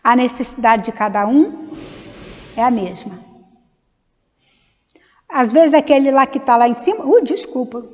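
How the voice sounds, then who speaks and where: High-voiced Brazilian woman in reverberant hall. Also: animated, unhurried, long pauses. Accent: Brazilian Portuguese. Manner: conversational, digressive, acts out little dialogues. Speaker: speaker at a Spiritist study meeting. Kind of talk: informal religious study talk. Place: meeting hall of a Spiritist center.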